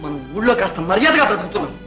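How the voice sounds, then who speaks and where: An actor playing a stern older uncle who defends his niece, indignant and rising to loud declamation in 1960s film melodrama. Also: high voice, very animated, racing, music in the background, low-quality recording.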